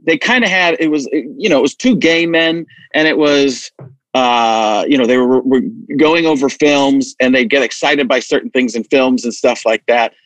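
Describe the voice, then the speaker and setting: A man hosting a podcast, telling stories in a rambling, animated way with many restarts. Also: mid-range voice, moderate pace, dry recording, rough recording. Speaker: podcast host. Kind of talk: casual chat.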